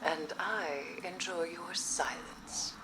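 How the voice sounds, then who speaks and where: A woman playing a severe, cryptic mystic in a video game, speaking in a solemn, ominous, measured way. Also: lowish voice, steady tone, background noise. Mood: dry. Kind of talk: video game dialogue acting. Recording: music behind the voice.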